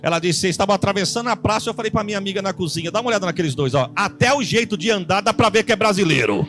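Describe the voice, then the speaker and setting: A Brazilian man preaching, telling a funny testimony and acting out the dialogue in an animated storytelling way. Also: high voice, racing, soft background music. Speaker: pastor.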